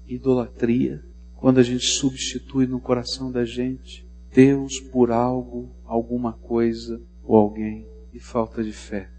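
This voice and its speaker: A male pastor preaching a sermon, telling the story dramatically and acting out the people's voices with big swings in pitch and volume. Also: darkish tone, breathy edge. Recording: long hall reverb, faint music and hum.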